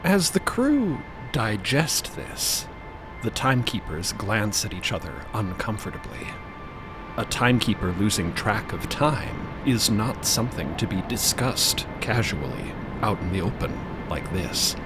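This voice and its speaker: A man's voice: lowish voice, sing-song, measured pace. A man narrating a scripted audio drama as a storyteller. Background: music bed.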